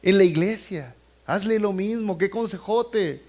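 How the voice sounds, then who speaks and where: Lively pastor preaching. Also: male voice, high voice, measured pace. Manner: animated, acts out scenes and quoted voices; conversational, addresses the congregation directly. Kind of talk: sermon. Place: church sanctuary.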